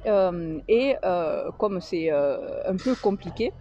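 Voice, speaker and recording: Hesitant woman with a mellow voice. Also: lowish voice, animated, lo-fi sound, a little hiss or hum. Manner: hesitant, many filler pauses. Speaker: local association organizer. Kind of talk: radio interview.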